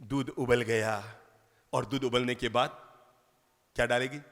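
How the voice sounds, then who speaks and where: A man preaching, telling a story with lively rhetorical questions. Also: mid-range voice, measured pace. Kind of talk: storytelling sermon. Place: large lecture hall. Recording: long hall reverb.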